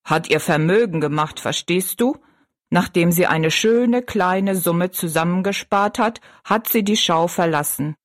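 A woman's voice: on the low side, dry recording, clean studio sound, close to an everyday voice. A woman voicing a tall, thin, dignified male circus giant who speaks with courtly politeness. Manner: courtly and slow, bowing politeness.

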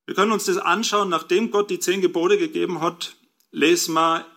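A man's voice: high voice, steady tone, normal speed, fairly bright tone. A man preaching a sermon, explaining scripture and asking his listeners rhetorical questions.

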